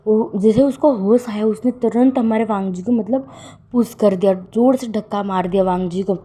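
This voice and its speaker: A woman's voice: medium pitch, normal speed, dark tone, husky. A woman casually narrating a romance fan fiction story, chatty and full of fillers.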